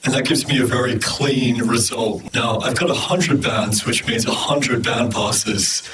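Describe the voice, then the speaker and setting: A man's voice: medium pitch, unhurried, distant mic. A man narrating a tutorial through a vocoder effect driven by white noise, so the voice sounds synthetic and hissy. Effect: vocoder over white noise, hissy and synthetic. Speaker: music production tutorial host. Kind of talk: instructional screen-recording narration.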